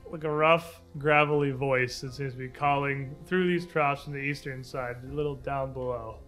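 A man's voice: medium pitch, steady tone, moderate pace, a bit bright. A man working as game master, narrating a tabletop game in a casual, improvised way. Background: music.

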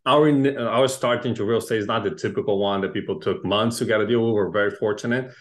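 Low-voiced man, earnest guest. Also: low-quality recording. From Chile. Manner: earnest, slightly halting. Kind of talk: casual interview chat.

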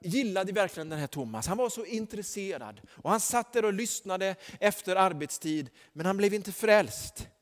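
High-voiced fervent male preacher. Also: expressive, hardly any pauses, long reverb tail. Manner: storytelling, rising to loud fervent exhortation. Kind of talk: sermon with personal stories.

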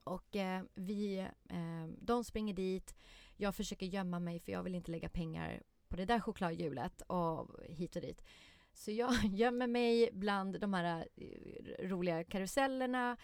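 Animated woman telling an anecdote. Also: medium pitch, creaky, clean tone, dry recording. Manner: lively storyteller, many fillers and restarts, acts out quotes. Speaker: podcast guest. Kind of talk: casual storytelling chat.

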